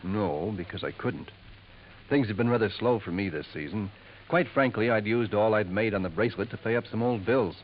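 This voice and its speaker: A man playing a smooth, gossipy jeweler. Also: fairly low pitch, fairly quick, lightly acted. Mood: confiding. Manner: confiding, insinuating. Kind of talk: 1950s radio drama acting. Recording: dull lo-fi old radio recording, faint hiss.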